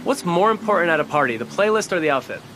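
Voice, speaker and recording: A man interviewing someone outdoors at a home garden, upbeat and quick in his questioning. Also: on the high side, very animated, background noise. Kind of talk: rapid-fire interview questions.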